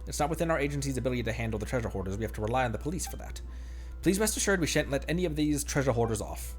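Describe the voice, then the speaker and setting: An earnest male police officer from a video game, read out by a man. He is stern, formal and indignant, in a mid-pitched voice with lively movement, over faint music. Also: rapid-fire, close to an everyday voice. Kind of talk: reading game dialogue aloud.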